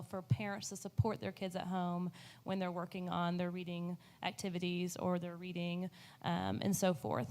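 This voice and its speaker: A woman's voice: mid-range voice, darkish tone. A woman on a panel, explaining in an earnest way with frequent fillers and restarts. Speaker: panelist on education policy. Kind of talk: panel discussion.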